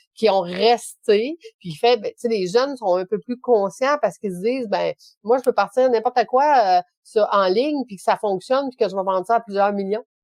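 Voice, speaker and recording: The speaker talks at a moderate pace in a Quebec accent. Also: woman, fairly high pitch for a woman, ordinary pitch variation, dry, close sound with no echo. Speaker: podcast host. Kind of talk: podcast interview.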